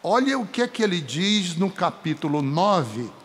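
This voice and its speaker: Emphatic Brazilian preacher in a reverberant hall. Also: male voice, high-pitched, sing-song, measured pace, slight background noise. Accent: Brazilian Portuguese. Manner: emphatic, building to forceful peaks, with chatty asides to the congregation. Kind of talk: sermon.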